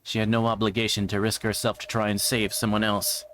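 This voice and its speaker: A man's voice: on the low side, flat delivery, brisk, a bit bright, a little hiss or hum. A man reading a visual novel's narration aloud on a livestream, in a storytelling style. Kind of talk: dramatic read-aloud narration of a game script.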